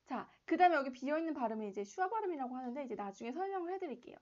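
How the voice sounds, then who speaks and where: A woman with a high voice gives a casual online pronunciation lesson. She explains each vowel and repeats it several times to show how it sounds. The recording is a little muffled and lo-fi. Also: big pitch swings, racing, a little mellow. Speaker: English pronunciation teacher.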